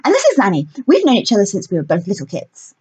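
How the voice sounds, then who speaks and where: A woman voicing an excitable young female fire pixie in a storybook reading, gushing and breathless. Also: mid-range voice, fast talker, slightly rough, lo-fi sound, heavily acted. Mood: eager.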